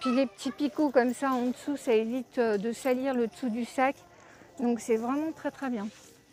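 A woman talks at a moderate pace in a dry recording with no echo and light background noise. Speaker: shopping vlogger. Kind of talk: casual product commentary. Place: shop. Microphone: phone near.

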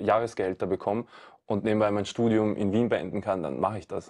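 Over a quiet background, a man with a fairly low pitch talks at a fairly quick pace in an ordinary speaking voice with fairly even intonation. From Austria. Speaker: former footballer and reality TV personality; guest. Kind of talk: casual chat. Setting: studio. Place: studio. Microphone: lapel.

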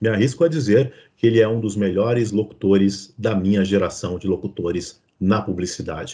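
A man's dark, mellow, somewhat breathy voice, fairly low in pitch, at a moderate pace over a quiet background. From Brazil (São Paulo). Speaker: voice-over teacher and radio announcer, channel host. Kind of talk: casual talk to camera, host introduction. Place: studio.

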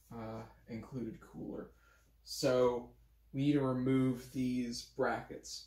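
Amid audible room echo, a man speaks at a very slow pace in a somewhat breathy voice. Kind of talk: tutorial. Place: home room. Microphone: camera far.

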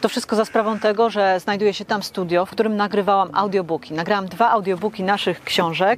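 Speaking fairly quickly, a woman is heard through noticeable background noise. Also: hardly any pauses. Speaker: travel vlogger; audiobook narrator. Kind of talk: casual talk to camera. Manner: upbeat.

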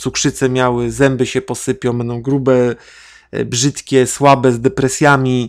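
The recording is very clean, with a silent background. A man speaks at a moderate pace and medium pitch in a monotone, flat intonation. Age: 40s. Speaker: podcaster. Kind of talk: casual monologue.

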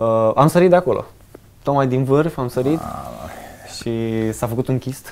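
A man talks at a moderate pace with ordinary pitch variation and long, frequent pauses. Light background noise is present. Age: 20s. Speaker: nurse; interview guest. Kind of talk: testimony. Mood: calm, reflective. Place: studio. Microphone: lapel.

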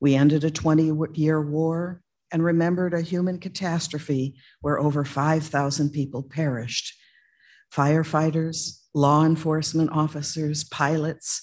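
A woman speaks at a fairly slow pace with a very deep, low pitch. Her intonation stays fairly even over a quiet background. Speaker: speaker. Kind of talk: prayer reading. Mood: solemn, reflective. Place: hall. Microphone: podium.

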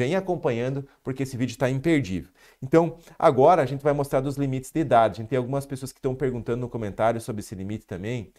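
Over a quiet background, a man with a dark, mellow tone talks at a very fast pace, with ordinary pitch variation and big swings in loudness. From Brazil. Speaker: personal finance YouTuber. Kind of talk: online video explainer. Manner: urgent, emphatic. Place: studio.

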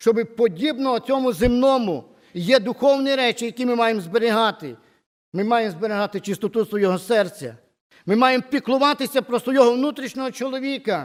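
A man speaks at an extremely high pitch and a moderate pace, with ordinary pitch variation. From Ukraine, Rivne region. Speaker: preacher. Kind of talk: sermon. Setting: church.

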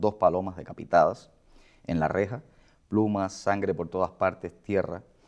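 A man talks at a fairly quick pace in a fairly low pitch. His pitch varies in an ordinary way over a quiet background. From Cuba, Holguín (eastern Cuba). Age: 30s. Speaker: playwright and actor; actor. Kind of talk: interview testimony. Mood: serious, recounting harassment. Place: studio.

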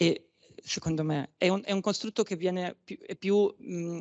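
A quiet background behind speech with ordinary pitch variation. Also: man. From Ukraine, Kharkiv; Ukraine. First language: Russian (speaking Italian). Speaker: art curator; speaker. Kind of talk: panel talk. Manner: halting. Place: hall. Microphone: handheld.

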